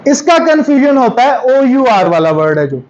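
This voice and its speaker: A male English pronunciation teacher, correcting students and repeating words slowly to drill stress in a classroom. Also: very high-pitched, sing-song, darkish tone, muffled recording. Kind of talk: classroom lesson.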